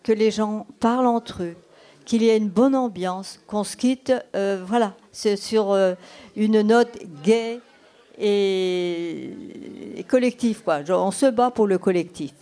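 In her eighties, this woman from Brittany, whose first language is Breton, responds to interview questions as a documentary filmmaker. She takes it slowly in a medium-pitched, dark voice, unhurriedly sharing stories as she thinks out loud.

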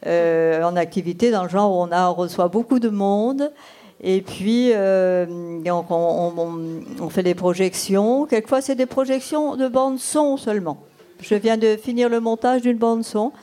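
A woman's voice: medium pitch, measured pace, mellow. A woman in her eighties from Brittany, whose first language is Breton, answering interview questions as a documentary filmmaker and telling her stories unhurriedly while she thinks aloud. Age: 80s.

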